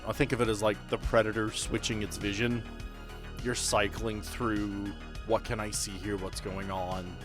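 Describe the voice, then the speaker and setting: A man running a tabletop game as game master, narrating and explaining the rules in a conversational way. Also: lowish voice. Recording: music behind the voice. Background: background music.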